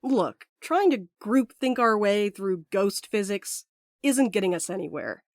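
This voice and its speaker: A woman's voice: medium pitch, animated, unhurried, a little mellow, no room sound, clean studio sound. A woman playing a blunt, impatient night courier in an audio drama, naturalistic and wry. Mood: exasperated, uneasy.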